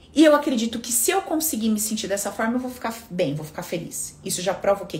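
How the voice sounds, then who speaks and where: Woman with a fairly high pitch, lively intonation and an animated tone, in audible room echo. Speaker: self-development coach. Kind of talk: live stream talk. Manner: fast.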